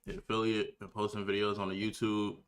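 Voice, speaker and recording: In a fairly low, monotone voice that runs a little fast, a 19-year-old livestreamer, gamer and reaction video maker chats slangily and laid-back with his audience while setting up. A little hiss or hum sits in the recording.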